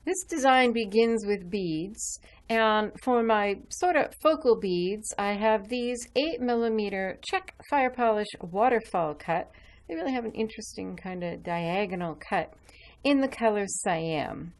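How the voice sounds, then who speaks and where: A woman's voice: mid-range voice, lively intonation, unhurried. A woman hosting a jewelry-making tutorial, chatting casually as she shows each step with her hands at a craft table. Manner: chatty, explains while working with her hands. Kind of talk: relaxed step-by-step craft demonstration.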